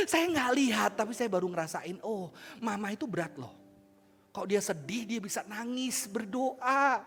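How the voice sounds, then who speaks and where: A man preaching a lively, playful sermon to young people, coaxing and shouting along with the crowd. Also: high voice, a little slow. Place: large church hall. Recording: church hall reverb with faint music.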